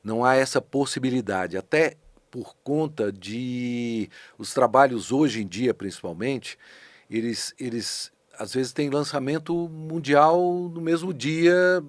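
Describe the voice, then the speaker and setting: A middle-aged man with a Brazilian Portuguese accent, a voice actor being interviewed in a studio, speaking thoughtfully and with lively emphasis. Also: medium pitch, slow pace, dry recording. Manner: thoughtful, animated, with frequent restarts and rising emphasis. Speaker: voice actor and dubbing director, guest. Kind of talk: casual conversational interview. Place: podcast studio.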